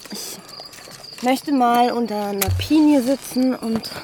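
A woman's voice: on the high side, takes it slowly, dark tone, slight background noise. An actress playing a curious, dreamy and teasing young woman traveller in a naturalistic radio play, musing without hurry. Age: young adult. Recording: music behind the voice.

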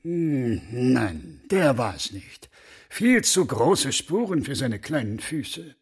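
A fussy, proud Christmas baker with a husky, rough voice that leaps up and down with feeling. It sounds like a children's storybook radio play. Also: male voice, medium pitch, big pitch swings, slow, exaggerated voice.

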